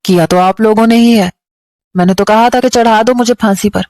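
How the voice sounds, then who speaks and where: A woman's voice: a little high, darkish tone, dry recording, studio quality, natural voice. A woman with a Pakistani Urdu accent voicing a bitter, defiant young man who speaks in a cold, taunting way.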